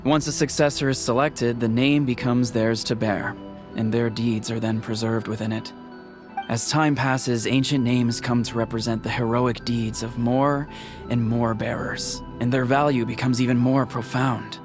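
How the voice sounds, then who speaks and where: An actor playing a calm, dignified, protective tribal chief in a video game, speaking in a measured, formal way. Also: male voice, mid-range voice, music in the background, lightly acted. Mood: solemn, explanatory.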